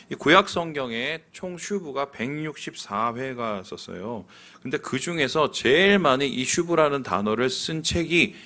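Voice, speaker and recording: A middle-aged man preaching a sermon as pastor, lively and acting out quoted voices. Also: mid-range voice.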